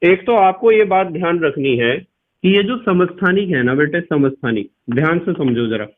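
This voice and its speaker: A man's voice: on the high side, animated, normal speed. A male chemistry teacher giving a patient lecture, repeating key points and quizzing his students. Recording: tinny lo-fi sound.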